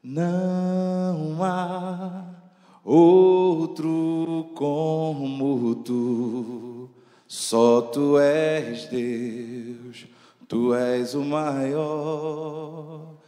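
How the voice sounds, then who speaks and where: A man singing a slow worship song, played as a recording. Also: fairly high pitch, fairly even intonation, mellow, roomy sound, long reverb tail, faint music behind. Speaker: worship singer.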